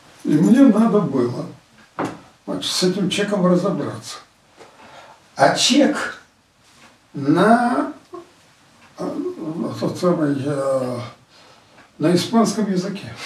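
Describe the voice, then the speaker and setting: Amid noticeable background noise and audible room echo, a high-pitched man speaks very slowly with very wide pitch swings and long, frequent pauses. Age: 80s+. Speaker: law professor. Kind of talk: interview. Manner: halting.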